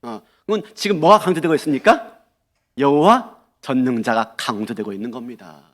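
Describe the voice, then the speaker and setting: A male pastor preaching a sermon in an animated way, often asking the congregation questions. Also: mid-range voice, moderate pace.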